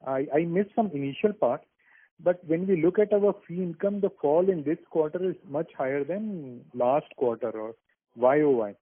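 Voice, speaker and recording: A man's voice: on the high side, normal speed, breathy edge. Indian man calling on a tinny phone line. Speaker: analyst caller asking questions. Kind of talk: earnings call questioning. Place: conference call over the phone.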